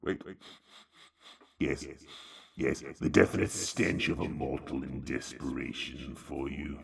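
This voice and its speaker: A man's put-on character voice, very deep and low in pitch, fairly slow, with long, frequent pauses. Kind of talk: comic sketch. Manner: polite, deferential, macabre.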